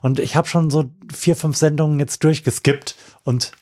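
A man's voice: on the high side, steady tone, moderate pace, warm tone, dry recording. A man co-hosting a podcast, talking in long, orderly sentences with dry amusement. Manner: wordy, orderly, dryly amused. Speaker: podcast co-host. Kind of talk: casual podcast chat.

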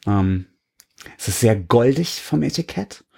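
Gravelly rambling man tasting beer. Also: medium pitch, expressive, a little slow, darkish tone. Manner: rambling, self-mocking, many fillers. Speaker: podcast co-host. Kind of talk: casual beer-tasting chat.

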